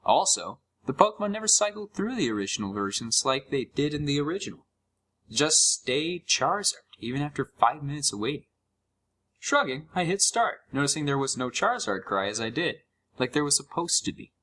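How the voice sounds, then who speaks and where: A man's voice: on the high side, very animated, brisk, a bit bright. A man playing a sarcastic, curious young gamer, narrating a first-person horror story in a wry, conversational way. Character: sarcastic, curious young male gamer recounting a creepy found game.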